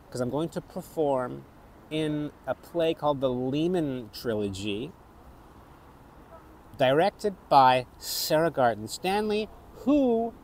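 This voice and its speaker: Halting North American man reflecting. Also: medium pitch, a little hiss or hum. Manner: thoughtful, halting, with frequent restarts. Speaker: actor and theatre maker. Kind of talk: reflective personal vlog.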